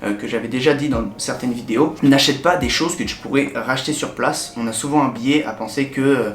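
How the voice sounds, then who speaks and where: A young French man in a casual vlog, chatting directly to the viewer in a relaxed way with many hesitations. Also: medium pitch, fairly quick. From France. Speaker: vlogger. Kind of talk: casual talk to camera. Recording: echoey room with faint ambient noise.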